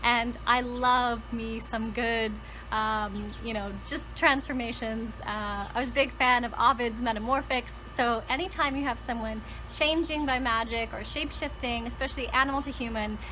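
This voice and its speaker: A woman's voice: a little high, steady tone, moderate pace, sharp tone, slight background noise, low-quality recording. A woman talking casually and enthusiastically to viewers as a book vlogger, conversational and leaning on words for emphasis. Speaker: book vlogger and storytelling channel host.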